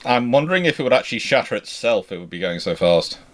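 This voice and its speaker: A man's voice: medium pitch, sing-song, quick pace. A man hosting an unscripted history discussion, talking discursively and emphatically and often correcting himself. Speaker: naval history show host.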